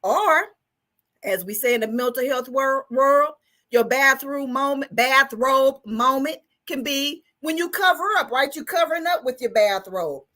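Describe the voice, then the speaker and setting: A woman's voice: sits high, measured pace, sharp tone. An enthusiastic woman from Texas with a Southern US accent, talking casually and folksily as a therapist guest. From Texas, United States. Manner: enthusiastic, folksy, rhetorical check-ins. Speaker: guest, mental health therapist. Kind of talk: casual interview and motivational talk.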